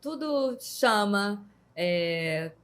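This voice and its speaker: Woman podcast host, mid-pitched, casual and emotionally open, quick to laugh. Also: animated, a bit bright. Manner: chatty, emotional, laughs easily.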